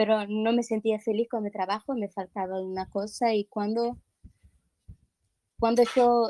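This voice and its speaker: A woman with a dark, mellow tone speaks at a fairly slow pace, with long, frequent pauses and monotone, flat intonation. The sound is dry and close, with no echo. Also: fairly high pitch for a woman. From Brazil, Rio de Janeiro. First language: Portuguese (speaking Spanish). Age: 30s. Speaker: medical student. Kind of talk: interview.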